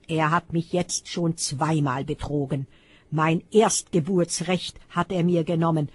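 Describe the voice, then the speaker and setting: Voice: medium pitch, steady tone, measured pace, slightly rough. A reader voicing a bitter elder son, speaking in a pleading way.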